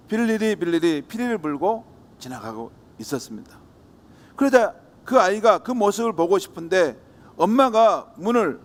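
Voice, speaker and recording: A pastor preaching a Sunday sermon, telling a story and acting out the characters' voices. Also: male voice, high voice. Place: church sanctuary. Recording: long church hall reverb.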